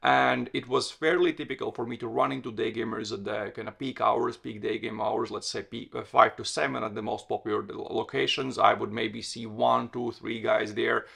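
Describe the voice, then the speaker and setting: Gravelly-voiced man hosting a podcast. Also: medium pitch, steady tone, normal speed, few pauses, fairly bright tone. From Latvia. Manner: direct, conversational, self-correcting. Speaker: podcast host and dating coach. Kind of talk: solo podcast monologue.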